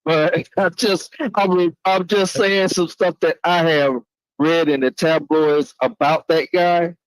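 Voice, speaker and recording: Slow, halting man in casual chat. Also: on the high side, fairly even intonation, no echo, rough recording. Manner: halting, roundabout, peppered with "you know". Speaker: panelist asking a question.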